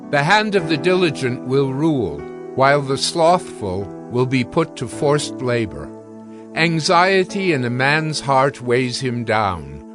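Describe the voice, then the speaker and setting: A man narrating scripture in a deliberate, declarative dramatized reading. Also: mid-range voice. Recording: instrumental music bed. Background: instrumental music.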